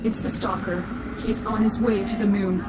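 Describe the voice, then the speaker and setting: Woman playing solemn game guide over loud noise. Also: medium pitch, flat delivery, moderate pace, close to an everyday voice. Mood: focused. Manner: earnest, authoritative. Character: solemn, protective female guide and mission commander. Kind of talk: video game mission guide acting.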